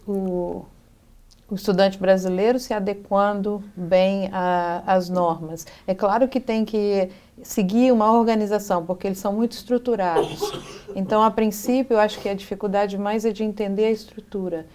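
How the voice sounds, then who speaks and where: A middle-aged woman from Brazil is answering questions as a guest on a TV interview. Her voice sits at an ordinary middle pitch. She speaks thoughtfully and often pauses mid-sentence to find the right word. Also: fairly even intonation, darkish tone. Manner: thoughtful, pauses to search for words. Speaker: interview guest, educational psychologist.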